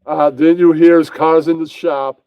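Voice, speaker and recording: A man's voice: a little high, level tone, moderate pace, dark tone, clean tone, dry recording, natural voice. A man voicing a bossy, smug mafia boss puppet, rambling through improvised comedy with self-satisfied catchphrases.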